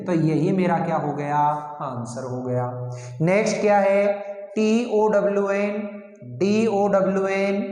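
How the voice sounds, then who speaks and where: A man teaching an English sound lesson, speaking slowly and repeating words, asking his students questions and answering them himself. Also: sits high. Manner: slow and repetitive, asks the class questions and answers them himself. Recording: echoey room with long reverb.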